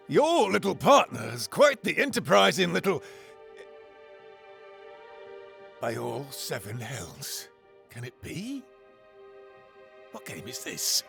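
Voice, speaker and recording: A shrewd pirate overlord for a swashbuckling audio drama. The voice is deeply creaky and husky, swinging widely in pitch with slow, insinuating theatrical relish. The phrasing is formal and genial, always probing. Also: male voice, a bit bright, full character voice. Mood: inviting, then stunned. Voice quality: gravelly, husky. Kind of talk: swashbuckling audio roleplay acting.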